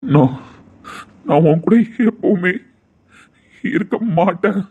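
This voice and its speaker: Man as a husky, gravelly young man, cold and blunt; audio drama, tinny phone-like sound. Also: sits high, slow pace, full character voice. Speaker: lead character in an audio drama. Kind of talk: emotional Tamil audio-drama acting.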